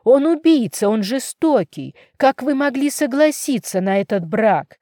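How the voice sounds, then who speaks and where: A woman's voice: sits high, big pitch swings, moderate pace, darkish tone, no room sound, voice pushed up. A desperate young woman, read by a woman in a storybook, pleading through tears. Her voice rises above the reader's own. The recording is dry. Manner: pleading, tearful. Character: desperate young woman, a daughter facing a forced marriage.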